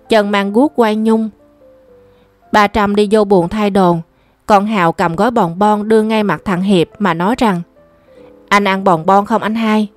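A woman reading a novel aloud as an audiobook narrator, steady and even. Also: mid-range voice. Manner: steady storytelling delivery. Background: faint music.

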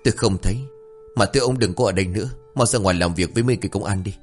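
Brisk doctor, quick and polite, voiced by the narrator. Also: male voice, fairly low pitch, soft background music, lightly acted. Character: hurried hospital doctor, brisk.

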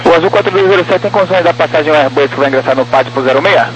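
A man's voice: fairly high pitch, muffled recording. A man working as an air traffic controller, giving clipped, procedural instructions over a crackly, military-sounding radio. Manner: rapid, procedural delivery. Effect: crackly military-style radio transmission. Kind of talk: clipped aviation radio phraseology. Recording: crackly aviation radio with hum.

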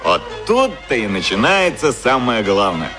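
An actor playing a brash, cynical advertising man in a radio play, explaining things in slangy, colloquial bursts with halting pauses. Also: medium pitch, sing-song. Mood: relishing, expansive. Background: music.

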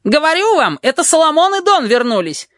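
A man doing a shrill, excitable teen boy. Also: a little fast, no room sound, studio quality, exaggerated voice. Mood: excited yelling. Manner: yelling, giggling, gossipy. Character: shrill excitable teenage boy nicknamed jackal.

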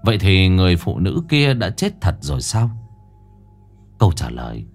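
A man's voice: deep voice, normal speed, faint music behind. Dramatic male horror storyteller. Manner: dramatic, expressive delivery. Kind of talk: scripted horror story narration.

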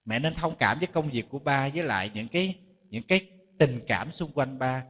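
A man with a Southern Vietnamese accent voicing a grown son calmly reasoning with his mother. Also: medium pitch, brisk, husky. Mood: soothing. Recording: long reverb hall.

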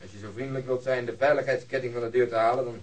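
An actor playing a cool, pushy investigator in a radio drama, with a casual, mocking way of talking, a little away from the microphone. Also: male voice, mid-range voice, fairly even intonation, rapid-fire, lightly acted. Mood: insinuating. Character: cool, cheeky, pushy tough investigator forcing his way in. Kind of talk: Dutch radio drama dialogue. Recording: distant from the microphone.

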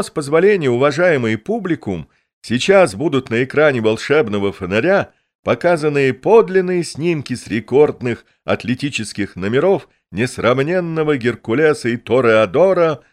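A man's voice: mid-range voice, very animated, pitched above the performer's own voice, lightly acted. A man doing a boastful circus clown showman. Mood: grandiose. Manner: pompous showman's announcing, slow and loud.

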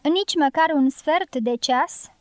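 A woman's voice: high voice, dry recording, lightly acted. A woman reading the part of a cheeky, teasing male gypsy guerrilla in an audiobook. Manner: teasing, provoking.

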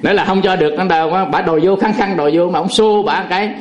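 A man's voice: high voice, fairly even intonation, fast, highs cut off, a crowd in the background. A man, a Buddhist monk telling a folksy, chuckling story in a sermon, full of fillers.

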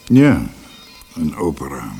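An actor playing a blunt, jovial middle-aged composer in a radio drama, with a halting, teasing delivery. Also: male voice, a bass voice, sing-song, warm tone, slightly rough, soft background music, heavily acted. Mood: musing.

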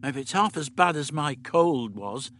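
A man's voice: a little high, animated, a little slow, a bit bright, slight background noise. A man voicing a fretful young woman with a cold, speaking in a sniffling, plaintive way.

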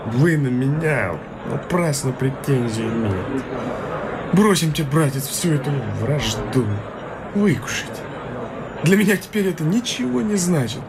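An actor playing a young clerk, newly prosperous, who talks in a wheedling, ingratiating way. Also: male voice, on the high side, lively intonation, a little slow, music in the background, rough recording. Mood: condescending. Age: young adult. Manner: ingratiating, wheedling, pushy kindness. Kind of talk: radio drama acting. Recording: hissy radio play recording.

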